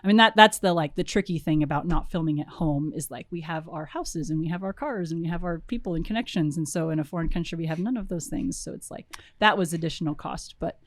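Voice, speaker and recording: A young woman, a film producer, telling stories in a casual interview, animated and full of fillers and restarts. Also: fairly low pitch, fast.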